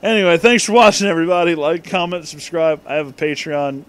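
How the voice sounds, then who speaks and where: A man's voice: fairly high pitch, fairly even intonation, fairly quick. A man hosting a comedic reading of fan fiction, mockingly sounding out misspellings as written, with amused asides.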